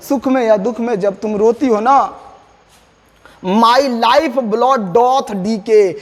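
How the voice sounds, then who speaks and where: A man teacher explaining an English poem line by line to students, lively and dramatic, speaking directly to them. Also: extremely high pitch, big-room sound.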